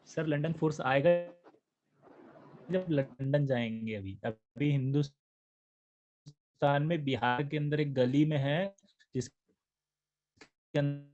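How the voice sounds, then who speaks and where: A man's voice: a little high, fairly even intonation, slow, pauses often, a little mellow. A male chemistry teacher speaking in an online class, his voice breaking up on a bad video call connection, with a teasing, sarcastic manner. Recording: muffled video call sound.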